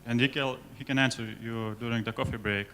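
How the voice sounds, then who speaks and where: A man moderating a conference session, polite and slightly halting. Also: mid-range voice, steady tone, a bit bright, a little hiss or hum. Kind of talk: formal moderating. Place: conference hall.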